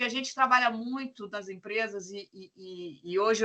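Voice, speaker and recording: Speaking in a Carioca accent, a woman has a medium pitch with ordinary pitch variation. Her tone is bright and sharp. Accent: carioca Rio de Janeiro. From Rio de Janeiro, Brazil. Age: 50s. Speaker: HR executive, former finance professional. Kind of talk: talk at online meetup. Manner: hesitant, many fillers.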